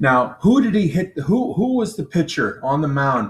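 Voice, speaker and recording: In an American accent, a man speaks at a fairly quick pace, his somewhat breathy voice carrying lively intonation. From New Jersey. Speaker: podcast host. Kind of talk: interview.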